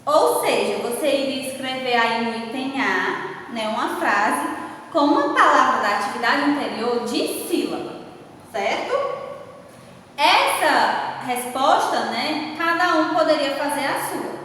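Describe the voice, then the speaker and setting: Brazilian Portuguese woman teacher, patient and unhurried, recorded at a distance with a long reverb and faint hiss. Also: high voice, a bit bright. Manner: patient, checking in with "né?" and "certo?". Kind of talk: slow spoken class lesson. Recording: echoey room, far from the mic, faint noise.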